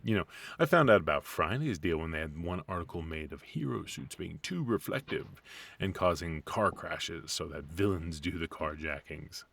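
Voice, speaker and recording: Man playing a deep-voiced, playfully sinister retired villain husband. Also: expressive, vocal fry, fairly bright tone, slightly rough, heavily acted. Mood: smug, chatty. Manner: teasing, theatrical, conversational with pauses and chuckles. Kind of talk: ASMR roleplay, comedic monologue to listener.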